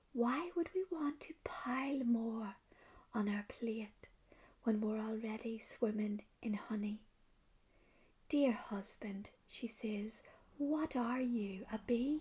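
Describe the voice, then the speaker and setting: Soft-spoken speech in an Irish accent, at a very slow pace with long, frequent pauses. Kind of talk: bedtime story reading.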